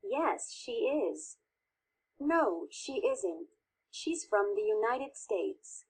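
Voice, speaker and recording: A woman reads textbook audio answers, slow and carefully enunciated. Her voice is fairly high and husky. Its pitch moves a lot from line to line. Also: very animated, poor audio.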